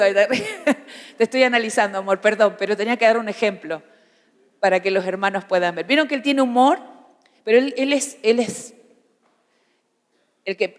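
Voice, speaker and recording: A woman in her fifties, a pastor's wife, teaching a church parenting class in a humorous, conversational way with frequent restarts. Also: medium pitch. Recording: hall reverb.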